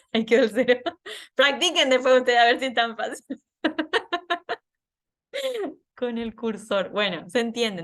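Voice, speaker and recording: Her voice sits on the high side with a fairly bright tone as this teacher explains a scoring worksheet to her online class. She is patient and occasionally laughs at herself.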